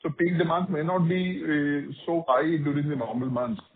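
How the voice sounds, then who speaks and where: A man's voice: fairly high pitch, fairly even intonation, moderate pace, a little hiss or hum. A man with an Indian accent, speaking as a company executive and explaining business matters on a call. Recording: narrow phone line, radio-like.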